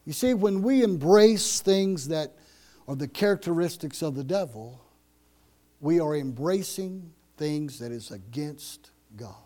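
A middle-aged male pastor preaching a sermon in a church, loud and high-energy, repeating words as he drives each point home. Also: a little slow. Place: church sanctuary. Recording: steady electrical hum and noise.

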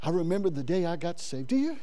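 A man's voice: sits high, very animated, fast talker, dark tone. A middle-aged male pastor preaching a sermon fervently, often stumbling into repeated words, with a big voice.

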